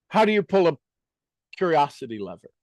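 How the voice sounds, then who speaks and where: A business coach delivers a motivational speech, posing rhetorical questions and hammering phrases home with purposeful pauses. His slightly high voice swings widely in pitch, and there's no room sound.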